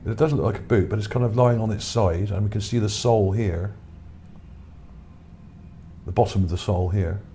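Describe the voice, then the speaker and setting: A warm, fairly low male voice moves at a moderate pace and pauses often as he offers casual commentary on pictures for his video. He sounds musing and unsure, speaking unscripted about his own finds, with background noise beneath.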